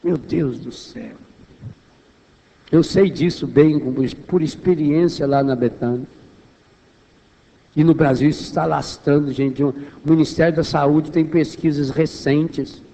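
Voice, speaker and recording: High-voiced Brazilian preacher in an echoing hall. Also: male voice, dark tone. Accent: Brazilian Portuguese. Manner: emphatic, rhetorical questions, repeats phrases for weight. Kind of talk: charismatic sermon to a congregation. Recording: echoey hall, long reverberation.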